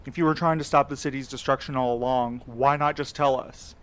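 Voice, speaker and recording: A man's voice: medium pitch, steady tone, a little fast, a bit bright, natural voice. A man playing a skeptical, guarded courier in an audio drama, with an articulate, wry way of talking. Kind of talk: scripted audio drama acting. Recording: outdoor night insect ambience behind voice. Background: crickets and night insects.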